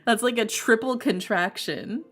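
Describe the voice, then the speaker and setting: A woman's voice: a little high, a little slow, fairly bright tone. A young woman from Texas with a Texan accent, chatting casually and rambling with lots of fillers as a streamer. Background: lofi music.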